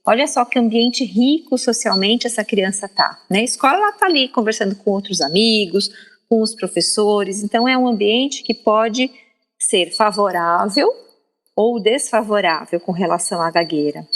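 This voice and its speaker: A Brazilian woman speaking as a guest speech therapist on a podcast, explaining in a didactic, emphatic way with frequent tag questions. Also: medium pitch. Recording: long reverb, faint background noise.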